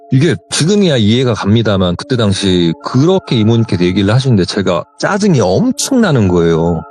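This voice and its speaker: A young man recounts a personal story as a phone-interview guest and plays out each exchange in quoted dialogue. His voice sits low yet swings widely in pitch. Soft music runs faintly behind him. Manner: animated retelling, quoting others in dialogue. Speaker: caller telling a true ghost story.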